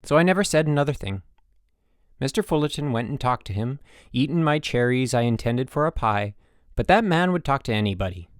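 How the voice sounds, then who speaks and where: A man's voice: medium pitch, expressive, a little fast, no room sound, clean studio sound, close to an everyday voice. A man voicing a proud, stubborn old country woman who rambles folksily in audiobook dialogue. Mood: chatty, reminiscing. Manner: folksy, rambling, emphatic storytelling.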